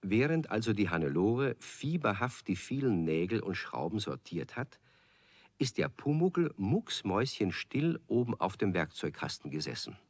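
An actor as the storyteller of a children's radio play, narrating in a measured way. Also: male voice, fairly low pitch, very animated. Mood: storytelling. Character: male storyteller of a children's tale.

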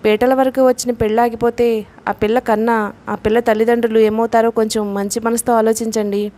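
A woman reading the lines of a young bride who pleads softly and holds back her anger. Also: a little high, brisk, close to an everyday voice. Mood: pleading. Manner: soft, restrained pleading.

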